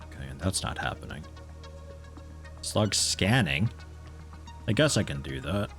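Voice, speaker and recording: A man's voice: a bass voice, sing-song, a little slow, a bit bright, faint music behind. A young American man streaming a game, chatting casually in a rambling, self-interrupting, amused way, with a mixed accent that carries some European mannerisms. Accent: mixed American with picked-up European mannerisms. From United States. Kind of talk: casual live-stream chat while playing.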